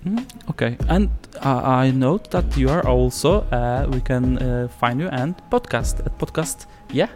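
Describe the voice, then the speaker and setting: A man's voice: medium pitch, a little slow, few pauses, big-room sound, over music. A man whose first language is Polish, hosting an interview and speaking hesitantly with many fillers. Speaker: podcast host. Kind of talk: interview questions.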